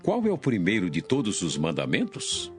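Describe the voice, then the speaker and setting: A man's voice: low-pitched, wildly swooping pitch, normal speed, faint music behind. A Brazilian man playing a solemn, thoughtful scribe with a weighty manner in a dramatized audio Bible. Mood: solemn, approving.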